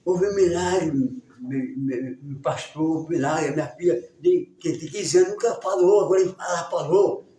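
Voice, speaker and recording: Male teacher doing a gruff farmer boss, higher-pitched, heard roomy and distant. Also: a little slow, few pauses, warm tone, close to an everyday voice. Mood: shaken. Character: harsh rich male farmer, threatening then humbled. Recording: roomy sound, distant mic.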